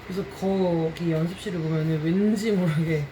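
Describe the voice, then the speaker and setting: Actress with a Gyeongsang accent, low-voiced and unhurried in casual chat. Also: female voice, fairly even intonation, background noise. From Ulsan, South Korea. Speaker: stage actress.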